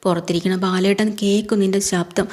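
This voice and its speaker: A woman reading the part of an anxious young woman urging a crying girl to keep quiet, in an urgent pleading manner. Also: mid-range voice, steady tone, fairly quick, natural voice.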